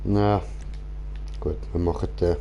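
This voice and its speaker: A young man with a Swiss German accent, giving casual commentary while playing a game, relaxed and mumbling his choices aloud. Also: deep voice, slow pace, vocal fry, lo-fi sound, slight background noise. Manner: relaxed, mumbling asides while choosing options. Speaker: gaming streamer.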